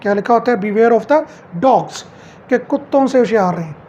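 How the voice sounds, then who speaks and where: A woman's voice: on the high side, expressive, moderate pace, mellow, highs cut off, a little hiss or hum. A middle-aged woman at home teaching English phrases, asking each one back as a question and then answering it.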